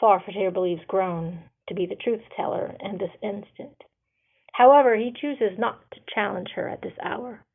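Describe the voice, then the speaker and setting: A woman's voice: mid-range voice, moderate pace, vocal fry, slightly rough. A woman reading her own fantasy writing aloud and presenting it as its author and narrator. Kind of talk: expressive audiobook-style reading and presenting. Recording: narrow phone-like sound.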